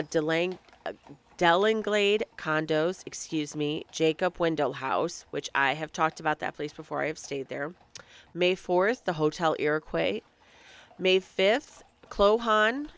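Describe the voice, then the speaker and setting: A woman's voice: lowish voice, fairly bright tone, smooth. A woman hosting her own podcast, chatting casually and reading out lists of dates, her voice a little nasal and crackly from a cold. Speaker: podcast host. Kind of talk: casual solo podcast talk.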